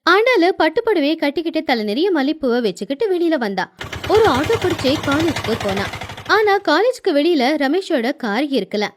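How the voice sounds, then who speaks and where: A woman narrating a village family story in an expressive storytelling manner, voicing the characters. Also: sits high, fairly quick, noisy background. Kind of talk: scripted village story narration with acted dialogue.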